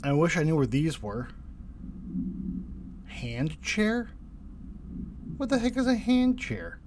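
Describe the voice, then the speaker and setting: A man's voice: fairly high pitch, sing-song, slow, noisy background. A young man streaming a game live, his voice a bit stuffy and sinusy, musing to himself and tossing wry asides to his chat. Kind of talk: casual live-stream commentary. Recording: game music underneath.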